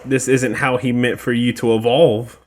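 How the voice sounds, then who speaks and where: Female gamer host, deep-pitched, wry and informal reactions, faint music behind her. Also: little pitch movement, moderate pace, a little mellow. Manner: colloquial, wry, talks back to the game. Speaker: gaming video host. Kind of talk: casual reactive game commentary.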